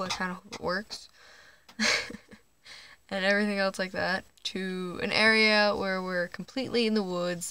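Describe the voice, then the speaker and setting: A teenage trans guy talking quietly and hesitantly at night under his bed, recording on a phone, with nervous laughs. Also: sits high, smooth, no room sound. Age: teens. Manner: hushed late-night talking. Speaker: vlogger. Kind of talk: casual personal vlog. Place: under a bed at home, indoors. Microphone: phone camera.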